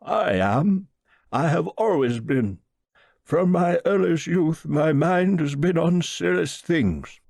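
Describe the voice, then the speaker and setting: A man voicing a pompous, pious old millionaire with a solemn, slow drawl in an audiobook story. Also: on the high side, expressive, creaky, a little mellow, dry recording, pitched above the performer's own voice, full character voice. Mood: pious, grandiose. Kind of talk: audiobook character voice.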